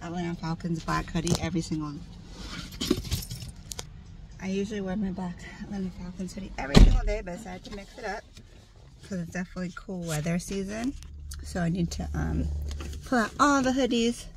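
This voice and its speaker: A woman with a somewhat low voice chats her way through a casual vlog, filming on a phone. She rambles warmly with lots of fillers and sounds a little hoarse from a cold. Street and car noise rumbles clearly behind her. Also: quick pace. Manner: chatty and rambling, with many "um"s and "like"s. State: fighting a cold, slightly hoarse. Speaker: vlogger and makeup artist. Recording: noisy street and car background.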